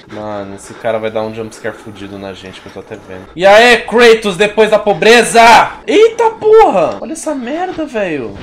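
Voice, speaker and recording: A man in his thirties from Brazil streaming a horror game, swearing constantly and yelping in fright, his voice going hoarse. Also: high voice. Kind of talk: live gameplay commentary. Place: home streaming room. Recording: game music underneath.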